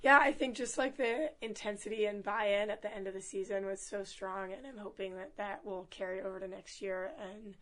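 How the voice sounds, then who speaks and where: Hoarse young woman, upbeat and chatty. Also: mid-range voice, steady tone, moderate pace, few pauses, a bit bright. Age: young adult. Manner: upbeat, laughs often, many fillers. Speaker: student athlete, team captain. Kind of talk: casual interview.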